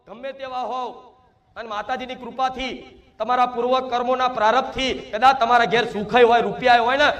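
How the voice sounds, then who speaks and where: A man's voice: very high voice, a bit bright. A man. He speaks in the first person as a divine mother figure and addresses devotees directly. His delivery is emphatic and full of rhetorical questions. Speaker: spiritual medium speaking as the goddess to devotees. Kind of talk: devotional sermon.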